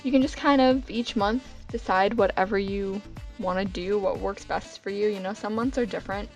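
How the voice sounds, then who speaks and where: A young woman talks casually over a faint music bed, her voice gravelly and hoarse as she gets over a cold. She rambles, leans on fillers like "like" and "um", and pokes fun at herself. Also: mid-range voice, steady tone, normal speed, a little mellow. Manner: rambling, filler-heavy and self-deprecating. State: hoarse, getting over being sick. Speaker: bullet journal vlogger.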